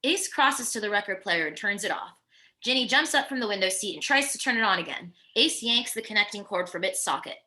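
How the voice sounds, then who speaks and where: Female narrator, scripted stage directions, bright forceful tone, medium pitch. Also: lively intonation, brisk. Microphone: video call microphone.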